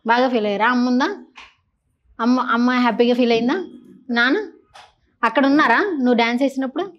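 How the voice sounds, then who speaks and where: A woman's voice: a little high, a little fast, lo-fi sound. A woman interviewing children in a casual, teasing and chatty way, holding a handheld mic. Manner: playful, teasing, chatty with kids.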